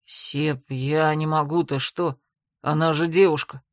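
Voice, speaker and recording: A woman plays a flustered young man, the younger brother in a fantasy tale, his voice pitched low. He sounds defensive and bewildered, fumbling for excuses. The sound is dry and close. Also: fairly even intonation, a little slow, no room sound.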